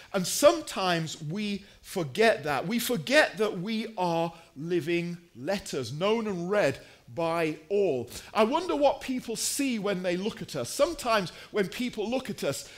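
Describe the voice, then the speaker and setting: A man preaching a sermon in a deliberate, emphatic way, pausing between phrases and posing rhetorical questions. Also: sits high.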